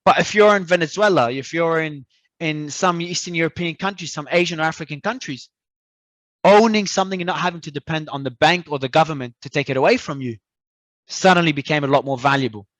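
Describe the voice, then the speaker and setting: A man from Australia, a guest talking in an animated, emphatic way and often repeating words as he restarts. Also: on the high side, a little fast, dry recording. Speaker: crypto entrepreneur guest. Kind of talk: casual interview talk.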